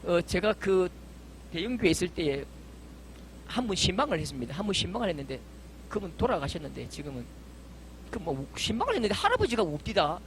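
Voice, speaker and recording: A man's voice: high voice, very animated, a little fast, long pauses, a bit bright, slight background noise. A middle-aged male pastor, preaching a fervent, emphatic sermon full of vivid stories.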